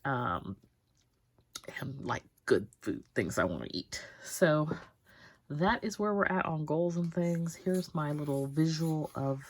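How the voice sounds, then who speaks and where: A young woman chatting through her monthly budget check-in, rambling with lots of ums, sounding stuffy and sniffly. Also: sits low. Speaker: budget planner vlogger.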